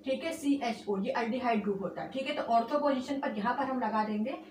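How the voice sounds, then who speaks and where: A woman with a high voice teaches chemistry, switching between English and Hindi and checking in with her students after nearly every phrase. She stretches key terms slowly and hurries through the linking words. She sounds a little far from the mic in a roomy, echoing space with a faint hum behind her. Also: a little mellow. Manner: mixes English and Hindi, repeats "ठीक है" and "alright" as check-ins. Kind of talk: whiteboard lesson. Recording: echoey room, far from mic.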